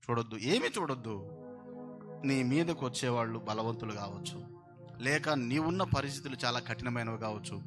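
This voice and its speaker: A man preaching a sermon, telling the story with lively, animated delivery. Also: medium pitch. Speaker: pastor. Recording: music behind the voice. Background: music.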